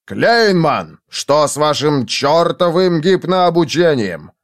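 A man's voice: high voice, huge pitch swings, slow, no echo, studio quality, voice pushed up, exaggerated voice. A man doing a pompous, bellowing showman. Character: flamboyant rich male showman, pompous and loud.

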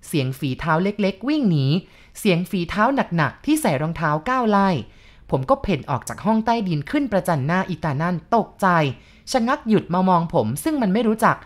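A woman narrating a first-person ghost story in a steady, even reading voice. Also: medium pitch, brisk.

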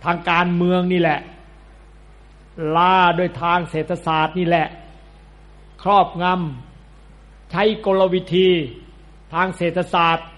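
A man's voice: high voice, little pitch movement, slow, long pauses, a bit bright. A man, a Buddhist monk, giving a sermon in a blunt, colloquial, scolding way.

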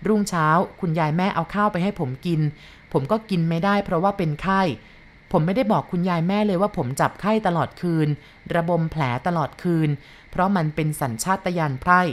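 A woman narrating a first-person story from a boy's point of view in a calm, measured reading. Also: on the low side.

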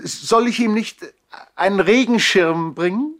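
A man's voice: high-pitched, unhurried, fairly bright tone, voice pushed up. A man playing an anxious, dutiful young noble boy in a German radio play from the 1960s. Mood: worried. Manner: hesitant, worried, respectful.

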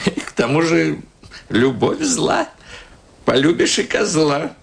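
Flustered, self-important husband, animated delivery. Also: male voice, fairly high pitch, slow pace, creaky, heavily acted. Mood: self-flattering. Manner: muttering to himself, hesitant, exclaiming, theatrical. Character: self-important, flustered middle-aged married man at his dacha. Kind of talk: radio play acting. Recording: radio play with music underneath.

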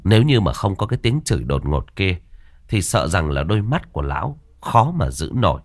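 Deep-voiced man telling a ghost story. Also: a little fast. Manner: expressive, suspenseful storytelling. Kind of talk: dramatic horror story narration.

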